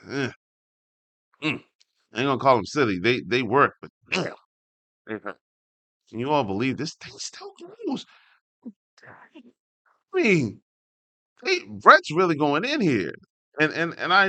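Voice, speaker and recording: A man hosting a read-along, reading an article aloud and breaking off into casual, animated asides. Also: medium pitch, a little slow, long pauses, dry recording.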